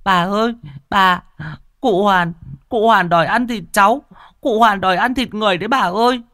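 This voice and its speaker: A man voicing a terrified little child, crying out in shrill sobs in a ghost story. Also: normal speed, pushed and bright, no room sound, clean studio sound. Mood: terrified sobbing. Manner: shrill sobbing cries.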